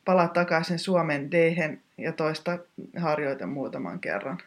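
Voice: medium pitch, lively intonation. A teacher giving a scripted pronunciation lesson in a precise, technical, instructive manner.

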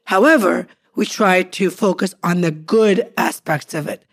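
A woman in her forties co-hosts a casual podcast with her partner, sounding earnest and upbeat as she lays out her points in lists. Her voice sits on the low side and she takes her time.

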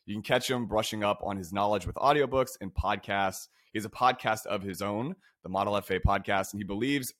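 A hoarse man with a low voice, co-hosting a podcast. He is friendly and clears his throat now and then as he gets through an introduction. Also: a bit bright. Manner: friendly, reads the guest intro. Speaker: podcast co-host. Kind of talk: casual podcast chat.

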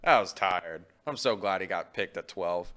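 A man's voice: low voice, normal speed, sharp tone. A man co-hosting a casual sports talk show, talking in an easygoing, conversational way. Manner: easygoing, conversational, repeats himself. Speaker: podcast co-host.

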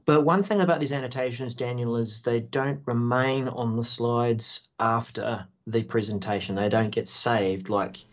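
A man co-hosting a tech podcast talks through new features in a relaxed, chatty manner, full of ums and asides. His voice sits in a middle pitch. The recording sounds a little dull and lo-fi. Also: a little slow, hardly any pauses. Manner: relaxed, chatty, many fillers. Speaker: podcast co-host. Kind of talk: casual tech podcast chat.

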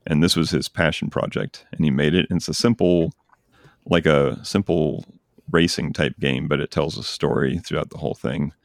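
A man's voice: extremely low pitch, steady tone, normal speed, gravelly, dry recording, studio quality. A man hosting a podcast, chatting casually and enthusiastically about games he recommends. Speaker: podcast host. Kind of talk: casual chat.

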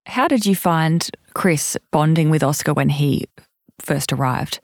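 Low, gravelly woman interviewer. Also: unhurried, dry recording, clean studio sound. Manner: calm, gently probing questions. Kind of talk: interview questions.

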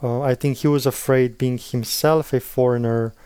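Thoughtful Slovenian-born man, dark smooth voice. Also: medium pitch, steady tone, normal speed, no echo. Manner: thoughtful, hedging, often adds "right?" and "in all honesty". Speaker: interview guest. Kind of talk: reflective interview answers.

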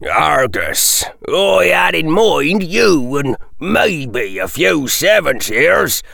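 A huge half-giant speaks loud and gruff from a storybook, as a man reading puts him on. He sounds plain-spoken and kindly beneath the bluster. A gravelly texture runs through his voice. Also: on the high side, big pitch swings, drawn-out words, dry recording, studio quality, pitched above the performer's own voice, full character voice.

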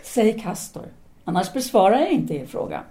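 A woman's voice: medium pitch, big pitch swings, gravelly, dark tone. A woman acting in an audio drama as a self-assured female philosophy teacher in 1930s Paris, speaking in an articulate, formal, didactic way. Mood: confident, probing.

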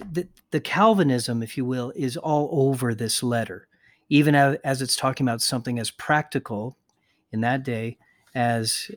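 A man's voice: medium pitch, dry recording, studio quality. A man co-hosting a podcast discussion, talking earnestly and reading quotations aloud with small restarts. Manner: earnest, reads quotes aloud with pauses and restarts. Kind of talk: conversational discussion with quoted readings.

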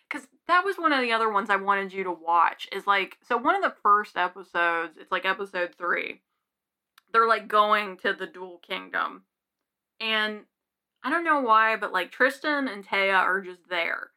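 A woman's voice: medium pitch, lively intonation, unhurried, pushed and bright. A young woman co-hosting a podcast in casual, rambling chat with giggly asides. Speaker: podcast co-host.

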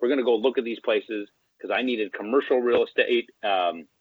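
A man's voice: mid-range voice, normal speed, breathy edge, dry recording. A man telling a story as an interview guest in a casual way, acting out the dialogue as he goes. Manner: animated, acts out quoted dialogue. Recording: tinny phone-line sound, dry.

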